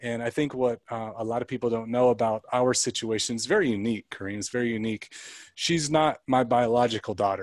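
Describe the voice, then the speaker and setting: A man with an American accent talks at a fairly quick pace against a quiet background. He has an unremarkable speaking voice, medium in pitch, with fairly even intonation. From California. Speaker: fitness coach. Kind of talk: interview.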